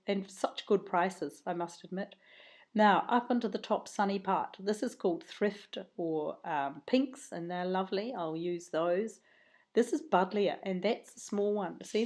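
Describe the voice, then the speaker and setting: A woman with a croaky voice, chatting enthusiastically as a vlog host. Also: medium pitch, darkish tone. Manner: chatty, enthusiastic about plants. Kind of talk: casual vlog narration.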